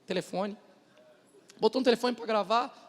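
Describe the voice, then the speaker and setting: Male pastor, high-pitched, testifying emphatically, shifting from loud bursts to near-whispers; church hall with long reverb. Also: normal speed. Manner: emphatic storytelling, swinging between loud outbursts and hushed asides. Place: church service.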